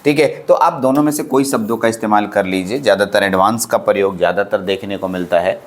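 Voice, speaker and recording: A man in his thirties with a fairly low voice, giving a polytechnic lecture on microcontrollers. He talks in a loose, chatty way, repeats himself for emphasis and keeps checking in with "theek hai". His tone stays reassuring. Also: fast talker. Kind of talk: classroom lecture in casual Hindi with English terms.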